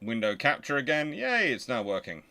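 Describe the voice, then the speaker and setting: A man with a medium-pitched voice gives an informal live explanation as a history host. He thinks aloud in a conversational, halting way, sometimes muttering to himself as he works. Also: big pitch swings, bright, forceful tone.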